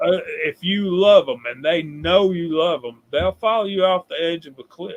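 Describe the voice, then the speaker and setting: At a moderate pace and with hardly any pauses, a man with an American accent and a high pitch talks with ordinary pitch variation and big swings in loudness. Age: 60s. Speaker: livestream guest. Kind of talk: casual chat. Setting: livestream.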